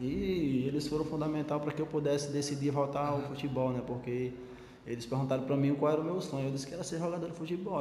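Amid noticeable background noise and audible room echo, a man speaks at a fairly quick pace with a fairly high pitch and ordinary pitch variation. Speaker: professional footballer. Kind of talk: interview.

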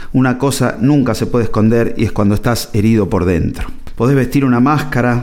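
In an Argentine accent, a man talks at a medium pitch with audible echo from the room. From Argentina. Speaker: musician. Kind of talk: reading a personal letter.

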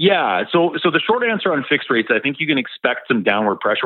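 Lively intonation marks a man's a plain, everyday voice. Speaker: mortgage broker. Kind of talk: short interview.

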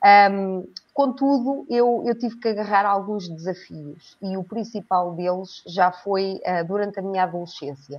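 Using an unremarkable speaking voice, a woman of medium pitch talks at a fairly slow pace with ordinary pitch variation and hardly any pauses. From Portugal, Ourém area. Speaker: HR-trained coach and trainer. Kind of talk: casual interview.

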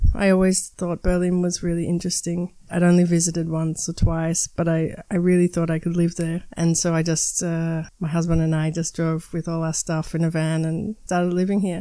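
Hardly pausing, a woman with an Australian accent speaks at a moderate pace in a fairly low pitch with monotone, flat intonation. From Australia, Melbourne. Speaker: musician. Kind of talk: interview.

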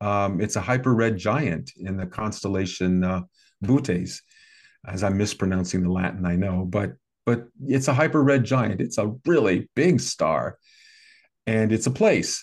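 A man with an American accent talks at a moderate pace, with a fairly low pitch and lively intonation. Long, frequent pauses break up his speech against a quiet background. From US Midwest. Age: 60s. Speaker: UFO contactee and community founder. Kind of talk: interview. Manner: talkative.

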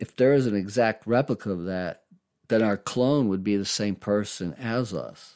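On a very clean recording with a silent background, a man with an ordinary speaking voice talks fairly slowly at medium pitch, with ordinary pitch variation. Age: 50s. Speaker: life coach and podcast host. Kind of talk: solo monologue.

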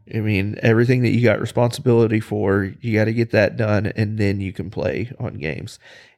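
With an ordinary speaking voice, a man talks at a fairly quick pace. His pitch is fairly low and there are hardly any pauses. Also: fairly even intonation. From Texas. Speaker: parent and gamer. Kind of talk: casual chat. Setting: in someone's home.

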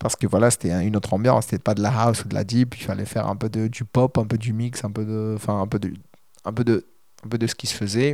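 In a very clean recording with a silent background, a man speaks very fast in a fairly low, dark, mellow voice with fairly even intonation. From Morocco. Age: 30s. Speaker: podcast host. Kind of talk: personal storytelling monologue. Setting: home studio. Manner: halting.

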